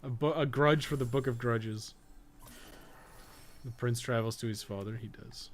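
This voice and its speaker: A man's voice: medium pitch, steady tone, measured pace. A man giving casual live gameplay commentary as a streamer, swearing casually. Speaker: game livestreamer. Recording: clearly noisy background.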